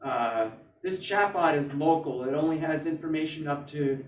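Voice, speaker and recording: A man leads a robot chatbot demo in a halting, casual way, coaching as he goes. His voice sits a little high and comes from across a roomy hall. The sound is dull. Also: far from the mic. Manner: halting, coaching, laughs often. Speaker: robot builder demonstrating a chatbot. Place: hall at a club meetup.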